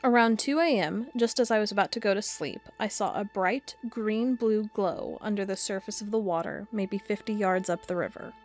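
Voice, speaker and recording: A woman playing an earnest cryptid blogger, telling a first-person account in a measured storytelling way for an audio drama. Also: mid-range voice, faint music behind, lightly acted. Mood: awed. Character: earnest female cryptid blogger, awed amateur monster hunter.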